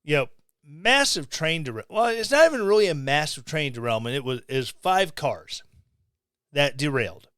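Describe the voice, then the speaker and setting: Middle-aged guy ranting on his podcast, sarcastic, smooth voice, dry close mic at home. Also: fairly high pitch, animated, normal speed, a bit bright, dry recording. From Missouri, USA. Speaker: podcast host. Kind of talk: opinion commentary. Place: small home room. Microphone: studio mic on stand, close.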